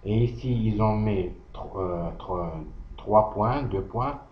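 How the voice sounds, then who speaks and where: Slow, deliberate male teacher. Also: on the low side, noisy background. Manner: slow, deliberate, thinking aloud with pauses. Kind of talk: slow worksheet walkthrough. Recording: echoey room, dull lo-fi audio.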